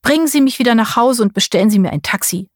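A woman voicing a frail, indignant old woman in an audiobook, with a shrill, scolding voice. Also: animated, fast talker, a little mellow, no room sound, clean studio sound.

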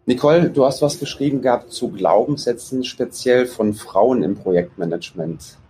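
A man's voice: medium pitch, moderate pace, dark tone, slightly rough. A man hosting an interview who asks his guest follow-up questions. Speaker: interview host. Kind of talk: conversational interview.

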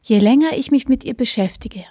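Calm woman radio host. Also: a little high, a little fast, slight background noise. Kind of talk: scripted radio presentation.

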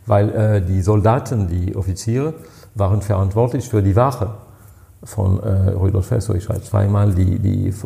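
A man in his sixties with a French accent, speaking slowly and haltingly, reaching for words between fillers. His fairly low voice is mellow and noticeably gravelly. He talks in the manner of an interview guest telling old stories. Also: steady tone. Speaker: party president, guest. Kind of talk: interview answers, storytelling.

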